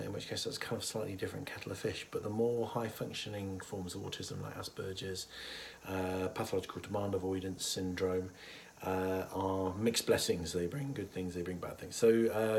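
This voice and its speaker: A man with a cold and a husky voice, talking casually and thoughtfully to camera about a mental health topic, pausing often with fillers. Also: on the low side, a little hiss or hum. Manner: thoughtful, hesitant with many fillers, chuckles softly. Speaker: therapist. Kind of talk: casual educational talk to camera.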